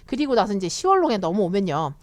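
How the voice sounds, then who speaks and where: A woman giving a casual lesson on the stock market, chatty and animated, acting out the voices of eager investors as she goes. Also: medium pitch, quick pace, no room sound. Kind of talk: casual explanatory lecture.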